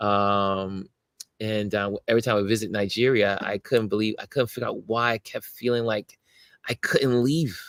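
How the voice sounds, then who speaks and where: A man with an American accent talks at a moderate pace, fairly low in pitch, with fairly even intonation and an unremarkable speaking voice. The recording is very clean, with a silent background and a dry, close sound with no echo. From USA. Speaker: talk show co-host. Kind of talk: casual chat. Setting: live stream.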